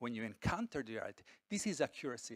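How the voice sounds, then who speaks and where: A man with an Italian accent and lively intonation, in a dry, close sound with no echo. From Italy. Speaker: documentary film director and professor. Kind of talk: panel discussion.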